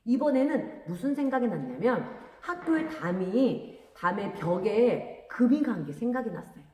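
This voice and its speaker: A woman preacher telling a story to children, acting out the characters' lines with lively expression. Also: a little high, normal speed. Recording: echoey room with long reverb.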